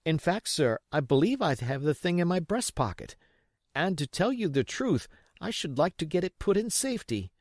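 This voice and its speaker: Man voicing a polite, higher-pitched earnest boy. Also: very animated, moderate pace, no echo, clean studio sound. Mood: earnest, respectful. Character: polite, earnest boy, respectful to his elders. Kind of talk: audiobook character voice.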